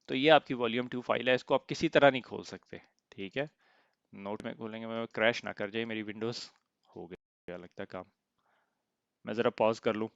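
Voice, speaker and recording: A man teaching an IT lesson step by step, pausing often to check in, his throat slightly sore. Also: lowish voice, smooth, no echo, lo-fi sound. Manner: explains step by step, often asks "theek hai?". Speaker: IT instructor. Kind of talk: screen-recorded software tutorial.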